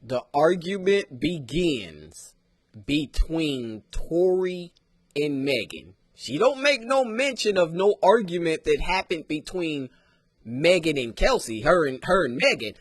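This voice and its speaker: A man giving sarcastic, emphatic casual commentary as he pauses and reacts to a clip. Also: fairly high pitch, lively intonation, dry recording, studio quality.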